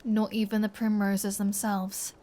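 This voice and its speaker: Seeking a woman to play a teasing, predatory vampire for ASMR drama: leisurely drawl, mellow tone, smug and intimate, near-whispered. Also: mid-range voice, level tone, measured pace, lightly acted. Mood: smug, menacing. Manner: taunting, drawling, intimate, often slipping into whispers. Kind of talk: ASMR audio roleplay.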